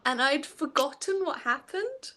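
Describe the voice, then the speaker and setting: A young woman, chatting casually about books and telling stories in a giggly, animated way. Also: high voice, unhurried. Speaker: book discussion co-host. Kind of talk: casual book chat.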